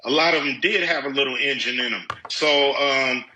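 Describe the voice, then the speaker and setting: A man reflecting on family history, speaking haltingly with many fillers. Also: medium pitch, noisy background. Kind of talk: reflective interview talk.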